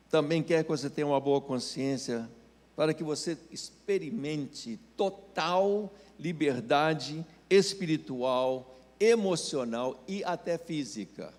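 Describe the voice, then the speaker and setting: Man, Brazilian accent, pastor, sermon, storytelling, fairly high voice, long hall echo. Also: expressive, slow pace, darkish tone. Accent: Brazilian Portuguese. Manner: storytelling, acting out dialogue.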